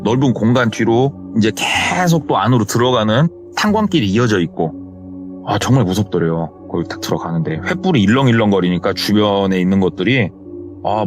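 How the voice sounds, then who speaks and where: A man telling a horror story in a vivid, dramatic, casual spoken retelling. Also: on the low side. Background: faint music.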